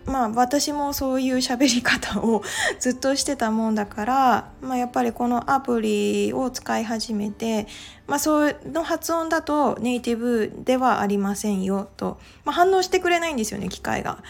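A Japanese woman hosts her own podcast in a casual monologue, chatty and peppered with fillers, especially "well." Her voice is on the high side and creaky, at normal speed.

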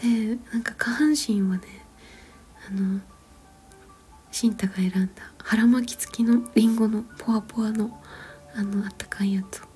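Softly whispering mellow-voiced woman. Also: on the high side, steady tone, normal speed, faint music behind. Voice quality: soft whisper. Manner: gentle, rambling, with frequent fillers and soft laughs. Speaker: mother. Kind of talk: whispered casual storytelling.

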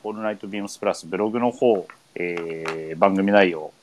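A man hosting a casual radio chat, easygoing and filling pauses with many hesitation sounds. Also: sits low, slight background noise. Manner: easygoing, leads with many fillers. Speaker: radio show host.

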